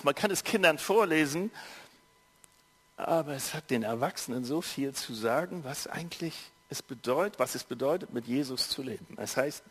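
A male preacher giving a sermon, telling a story in an earnest, measured way with pauses. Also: fairly high pitch, fairly bright tone. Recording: long hall reverb.

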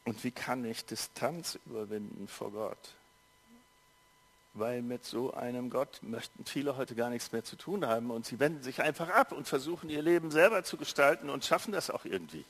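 A male preacher giving a sermon, telling a story in an earnest, measured way with pauses. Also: mid-range voice, lively intonation, fairly bright tone, breathy edge. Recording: long hall reverb.

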